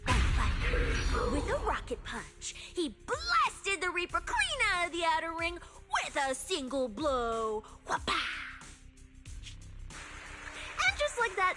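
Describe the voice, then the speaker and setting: Tale-telling companion; dramatic, very high, lively. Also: female voice, heavily acted. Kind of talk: video game voice acting.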